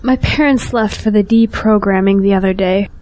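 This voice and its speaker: A woman's voice: medium pitch, fairly even intonation, normal speed, a little mellow, close to an everyday voice, low-quality recording. A woman acting a polite, tender-hearted young family friend in a Christian audio drama. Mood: sad.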